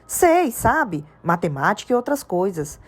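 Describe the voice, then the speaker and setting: A woman's voice: mid-range voice, sing-song, measured pace. A woman voicing a confused, anxious young boy who asks hesitant questions. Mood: bewildered.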